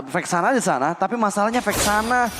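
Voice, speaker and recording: A man with an Indonesian accent giving excited live esports commentary in the manner of a fighting game announcer, as a shoutcaster. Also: sits high, fast talker, noisy background. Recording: loud music behind the voice. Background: music.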